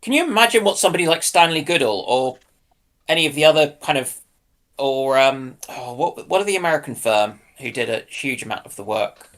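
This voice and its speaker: A man on a discussion panel, talking casually about history and thinking aloud in a halting way. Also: medium pitch, lively intonation, a bit bright. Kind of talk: casual naval history chat.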